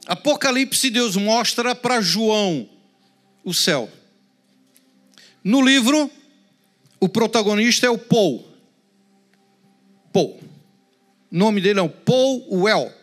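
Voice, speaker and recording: A man with a Brazilian Portuguese accent preaching a sermon, swinging between loud emphasis and hushed, prayerful tones. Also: sits high, animated, takes it slowly, long pauses, soft background music. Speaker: pastor.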